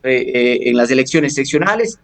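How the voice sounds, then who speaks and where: A man, a law professor giving formal, measured analysis in a radio interview, pausing with hesitations. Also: mid-range voice, animated, creaky. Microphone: studio or phone radio interview.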